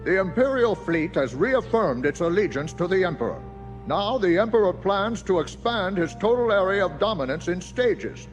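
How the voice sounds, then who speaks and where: An actor playing a grave rebel war council leader with formal, measured delivery in a space-opera audio drama. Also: male voice, high-pitched, big pitch swings, faint music behind, rough recording.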